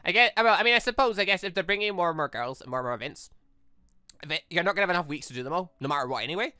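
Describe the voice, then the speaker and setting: A man giving casual, animated game commentary as he thinks aloud in a rambling, expressive way. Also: high voice, racing, smooth, no room sound. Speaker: gaming channel host. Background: background music.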